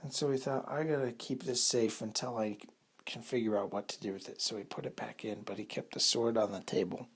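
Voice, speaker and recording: Speaking in a low register with fairly even intonation, a man spins an improvised children's bedtime tale. He goes slowly and haltingly, and there's a faint husky breathiness to him.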